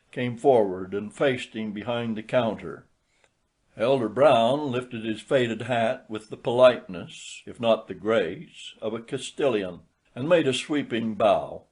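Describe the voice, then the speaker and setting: A man reads a literary short story aloud as an audiobook narrator. His voice sits at a medium pitch, and the delivery is scripted storytelling. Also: measured pace, a little mellow, breathy edge.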